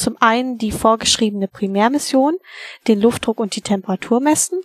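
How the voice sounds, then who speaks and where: A normal speaking voice from a woman, fairly high in pitch with ordinary pitch variation, on a very clean recording with a silent background and a dry, close sound with no echo. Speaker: competition organizer. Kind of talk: casual interview.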